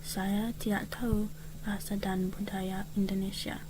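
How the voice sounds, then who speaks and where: Slow, even American woman over noise. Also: medium pitch. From United States. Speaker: language student. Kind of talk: prepared self-introduction. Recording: clearly noisy background.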